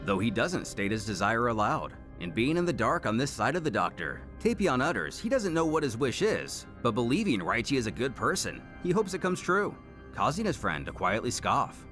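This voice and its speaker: A man narrating a scripted story recap with animated delivery and wry asides. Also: mid-range voice, normal speed. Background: faint background music.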